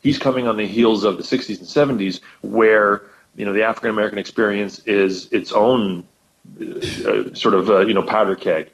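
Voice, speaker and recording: A man with a fairly low voice chats as a podcast guest, musing his way through ideas. He circles back and restarts his sentences as he thinks. The audio is muffled and lo-fi. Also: fairly even intonation, moderate pace, slight background noise. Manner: thoughtful, rambling, frequent restarts and repeated words. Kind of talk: casual conversation about old radio comedy.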